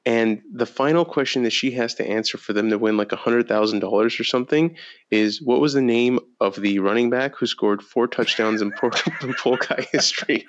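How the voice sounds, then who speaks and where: A man co-hosting a casual sports chat podcast, telling stories in an animated way and laughing often. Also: medium pitch, normal speed, lo-fi sound. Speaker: podcast co-host.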